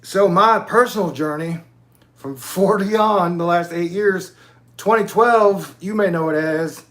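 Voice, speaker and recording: He's a channel host in his forties whose voice sits high and a bit bright, coming out a little slowly. The monologue wanders loosely, and he swears now and then.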